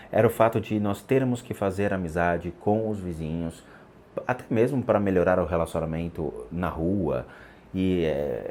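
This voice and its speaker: A man in his forties telling a personal story in an unhurried, reflective way, with pauses and restarts. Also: low-pitched, darkish tone, slight background noise. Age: 40s. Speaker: vlogger. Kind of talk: storytelling vlog about a haunted childhood house.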